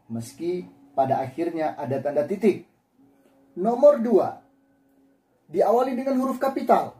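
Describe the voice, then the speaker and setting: A man's voice: sits high, dark tone, echoey room. A man teaching a language lesson, explaining patiently and acting out example intonations. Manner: demonstrates intonation by repeating words. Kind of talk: classroom lecture.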